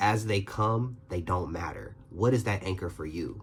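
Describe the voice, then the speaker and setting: At a moderate pace, a man with a very deep, low voice talks with ordinary pitch variation and some breathiness. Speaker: self-help video creator. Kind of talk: advice monologue.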